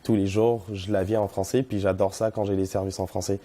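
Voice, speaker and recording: Male artist, low dark voice, rallying tone. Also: level tone, brisk.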